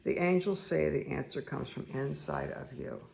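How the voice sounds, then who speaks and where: A middle-aged woman with a hoarse, croaky voice, slowly reading cards and giving soft, repetitive spiritual guidance. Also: extremely low pitch, wildly swooping pitch, a little hiss or hum. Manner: slow, soothing, repetitive guidance with asides. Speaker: spiritual reader and meditation guide. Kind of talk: casual spoken card reading.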